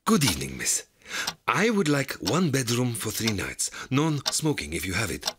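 A man acting a courteous but uneasy stranger in an audio drama, speaking formally and haltingly. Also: mid-range voice, wildly swooping pitch, background noise.

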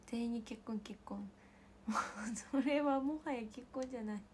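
A woman with a Kansai accent chatting casually with livestream viewers as the host, giggling often and slipping into soft whispered asides. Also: a little high, normal speed, a little hiss or hum. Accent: Kansai Japanese.

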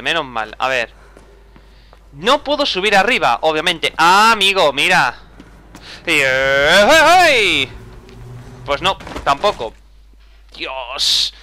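A young man narrates his gameplay in a bright, crisp, clear voice that swings up and down animatedly. He mutters to himself, curses when things go wrong, and keeps up a casual, exasperated running commentary. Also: high-pitched. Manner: exasperated, swears often, talks to himself. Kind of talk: casual let's-play commentary.

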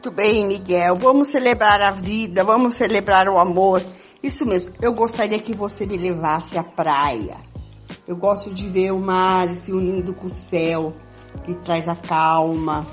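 Older woman as a slow-speaking Brazilian romantic sweetheart. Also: mid-range voice, steady tone, natural voice. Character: devoted romantic sweetheart, jealous of rivals. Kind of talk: amateur radio drama acting. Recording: dull lo-fi audio with music.

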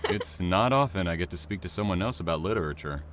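A man playing a reserved, bookish train worker in an audio drama, speaking formally, measured and dry. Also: low voice, animated, fairly bright tone. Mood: polite, reserved. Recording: clear background ambient noise.

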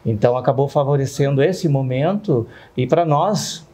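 Male, mid 50s, warm dark tone, conversational testimonial with habitual tag questions. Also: medium pitch, moderate pace, breathy edge. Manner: frequent tag questions seeking agreement. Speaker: interview guest.

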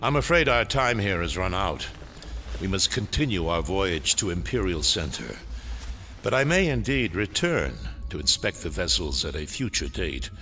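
A man playing a brooding, power-hungry dark lord in a sci-fi audio drama, with a theatrical, ominous delivery. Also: low voice, big pitch swings, normal speed, slight background noise, exaggerated voice. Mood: coolly commanding.

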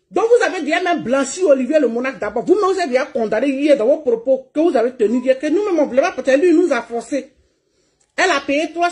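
A woman's voice: high-pitched, darkish tone. A woman streamer delivering a heated livestream rant, combative and mocking, laughing as she scolds. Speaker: online streamer.

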